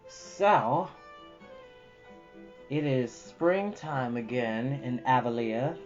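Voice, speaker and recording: A livestream host of about thirty chatting casually and exclaiming in an animated, talkative way. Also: medium pitch, lo-fi sound. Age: 30s. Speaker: livestream host who reads books aloud. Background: prominent jazz music.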